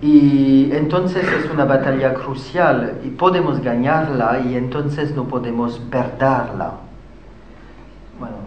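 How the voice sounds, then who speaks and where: A man with a French accent giving a conference talk, halting often as he searches for words in a language he is still learning. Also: medium pitch, noisy background. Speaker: conference speaker. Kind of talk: public lecture. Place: conference hall. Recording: echoey hall with faint ambience.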